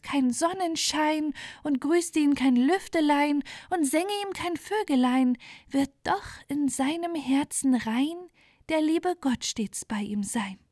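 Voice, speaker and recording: A woman voicing a kind, pious little talking bird in a bedtime fairy tale, speaking softly and kindly in a sing-song way. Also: sits high, no room sound, studio quality, pitched above the performer's own voice.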